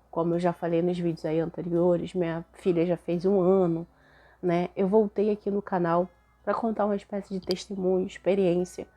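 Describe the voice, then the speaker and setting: Talking to camera on her faith channel, a young woman from Brazil speaks with a Brazilian Portuguese accent in a chatty way, frequently adding tag questions. Her lowish, dark-toned voice sounds hoarse and slightly nasal from a cold.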